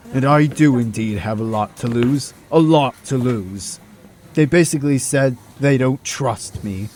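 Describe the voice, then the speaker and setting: A man's voice: mid-range voice, a little mellow, slight background noise, natural voice. A man voicing a weary, embittered middle-aged doctor in an audio drama, downcast and dramatic. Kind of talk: amateur audio drama acting.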